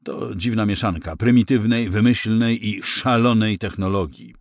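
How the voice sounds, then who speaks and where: Male narrator doing a gloomy admiral, low, heavy and matter-of-fact, dry close sound. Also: normal speed, dry recording, close to an everyday voice. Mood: grim, explaining.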